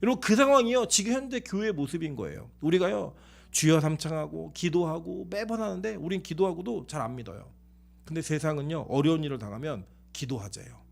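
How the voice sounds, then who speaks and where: A man's voice: on the high side, a little fast, gravelly. A man preaching a sermon as pastor, telling stories animatedly, acting out the people in them and putting questions to the congregation before answering them himself. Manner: animated storytelling, acts out quoted people.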